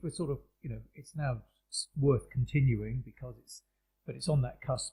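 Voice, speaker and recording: With a British accent, this man keeps up a fairly quick pace. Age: 60s. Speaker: podcast host and small business owner. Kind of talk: casual interview conversation.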